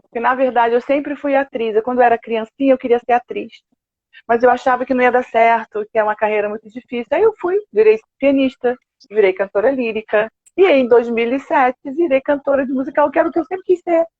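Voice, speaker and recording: An older woman with a Brazilian Portuguese accent, a singer telling stories with lively quoted asides in a casual interview. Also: on the high side, a little fast, no echo. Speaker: guest, opera and musical theatre singer. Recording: dull, dry video-call audio.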